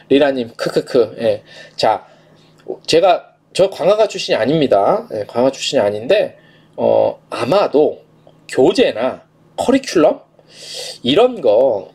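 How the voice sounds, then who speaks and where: Guy in his 40s, livestream host vibe, pitch swings around a lot, asks himself questions then answers. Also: darkish tone. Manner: opinionated, poses questions and answers them. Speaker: live-stream host, travel industry journalist. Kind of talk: casual live commentary, replying to viewer comments.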